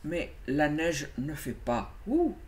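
Brief: woman reader as young white wolf, slow, calm, wary, storybook. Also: low-pitched, pitched below the performer's own voice, heavily acted. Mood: musing.

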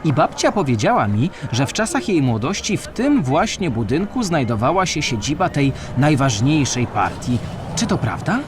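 A man's voice: a little high, very animated, moderate pace, noisy background. A man playing a curious, earnest young boy animal asking eager, polite questions in a children's audio play.

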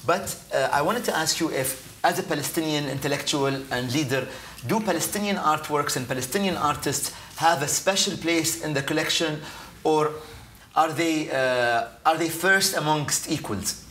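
A young man's slightly high voice rings through a roomy hall as he moderates a stage interview. He frames his questions slowly and carefully, pausing and restarting. A light hiss runs underneath. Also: bright, forceful tone. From United Arab Emirates. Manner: measured, halting question framing. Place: lecture hall with audience. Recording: echoey hall sound.

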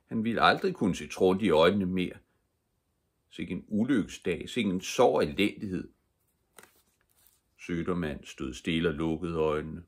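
An older man with a deep, low voice reads a children's book aloud at bedtime. His narration is calm and measured, an unhurried read-aloud. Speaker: audiobook reader.

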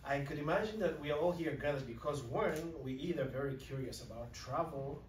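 A man's voice: a little high, brisk. A man hosting the event and introducing the speaker, hesitant and full of fillers, in a large room. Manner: hesitant, many fillers and "you know". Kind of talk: casual introduction. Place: large lecture room with stained glass. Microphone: podium mic, recorded by far camera. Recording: roomy, distant, noisy room sound.

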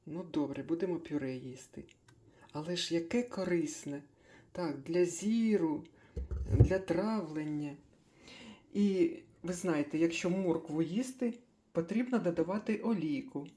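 Older lady chatting in her kitchen, slow and mellow, kind of low voice. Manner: chatty, thinks aloud, small laughs. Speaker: cooking vlogger. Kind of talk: casual kitchen chat.

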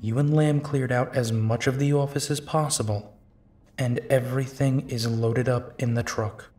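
A man's voice: medium pitch, steady tone, normal speed, darkish tone, faint music behind, close to an everyday voice. A man playing a big, tired, protective werewolf detective in an intimate, conversational audio drama, with a musing, sighing manner. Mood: weary, brooding. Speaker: voice actor in audio roleplay.

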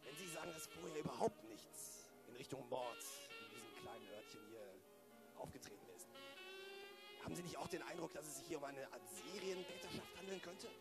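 A man acts a courteous but awkward inspector in an audio play. His voice is slightly high and creaky. He hesitates and repeats himself politely. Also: very animated, a little fast, over loud music. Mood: thoughtful. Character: courteous, fussy, awkward male police inspector. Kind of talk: improvised audio drama acting.

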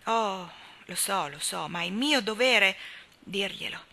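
A woman reading aloud, voicing a calm, firm young male doctor who reasons patiently. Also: mid-range voice, takes it slowly, gravelly, exaggerated voice. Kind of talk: audiobook character reading.

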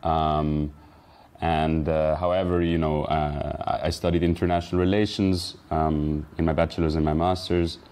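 A man's voice: very deep voice, little pitch movement, moderate pace, darkish tone, smooth. A young man from Switzerland, talking thoughtfully as a podcast guest, with frequent fillers and restarts. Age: young adult. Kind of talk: casual interview talk.

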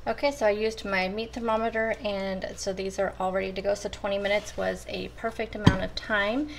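A woman's voice: mid-range voice, flat delivery, a little fast, creaky, background noise. Chatty woman cooking in a home kitchen. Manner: chatty, addresses viewers as you guys. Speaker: cooking vlogger. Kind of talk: casual step-by-step cooking talk.

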